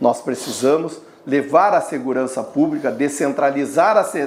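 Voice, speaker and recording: Noticeable background noise surrounds a man whose lively intonation accompanies a moderate pace. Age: 60s. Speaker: mayoral candidate. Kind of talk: political interview.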